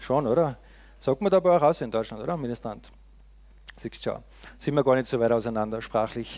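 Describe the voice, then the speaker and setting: In an Austrian accent, the speaker moves at a fairly quick pace with an animated tone and ordinary pitch variation, broken by long, frequent pauses. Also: man, medium pitch for a man. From Austria, Enns valley in Styria (rural alpine). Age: 30s. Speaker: lay preacher. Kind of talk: sermon.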